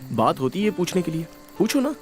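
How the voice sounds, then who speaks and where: A man's voice: fairly high pitch, big pitch swings, brisk. An actor dubbing a playful young man who teases and jokes with a woman he is looking after. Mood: easygoing. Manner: teasing, joking banter. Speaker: film hero in a dubbed movie. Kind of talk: Hindi film dubbing. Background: film music.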